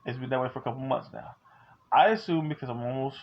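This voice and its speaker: A man's voice: medium pitch, fast talker, dull audio. A man in his forties talking at home, candid and joking but earnest as he gives advice. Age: 40s. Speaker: vlogger. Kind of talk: casual talk to camera.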